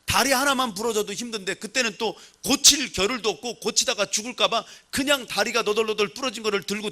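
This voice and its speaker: Male preacher, sermon delivery; bright tone, wide swooping pitch, expressive storyteller. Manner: animated storytelling preacher, leads congregation in reading. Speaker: pastor.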